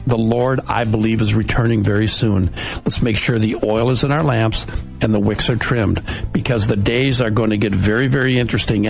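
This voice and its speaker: A man hosting a Christian talk radio show, with a gravelly voice and an earnest, preachy way of exhorting his listeners. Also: lowish voice, rough recording.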